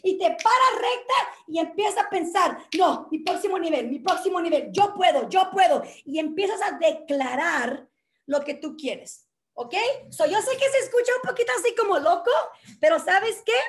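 High-voiced energetic woman coach. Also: moderate pace. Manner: energetic, mixes Spanish with English words. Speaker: workshop host. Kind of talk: motivational workshop talk. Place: home.

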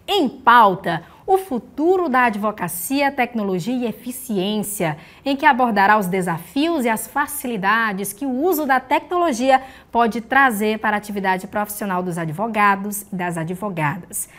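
A woman's voice: mid-range voice, animated, moderate pace, few pauses, fairly bright tone. A woman in her thirties hosting a morning TV program, introducing a guest in a polished, welcoming presenter delivery, recorded on a lapel mic in a studio. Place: TV news studio.

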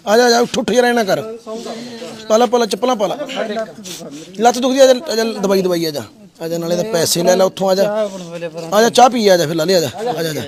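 A man volunteering with a social service group, talking gently and coaxing, with soothing phrases he says again and again. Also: high-pitched, fairly quick, pauses often, a crowd in the background. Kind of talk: on-location coaxing talk.

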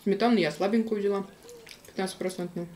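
A woman's voice: medium pitch, steady tone, quick pace, mellow, a little hiss or hum. A young woman talking casually while eating, chatting to her viewers at a home table. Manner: chatty, eating and tasting on camera. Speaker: mukbang vlogger. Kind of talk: casual chat.

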